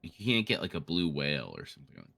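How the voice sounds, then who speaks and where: A man's voice: a bass voice, huge pitch swings, rapid-fire, gravelly, bright, forceful tone, slight background noise. A man co-hosting casual gameplay chat, telling rambling, sweary stories. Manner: rambling, profane storytelling. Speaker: gaming co-host.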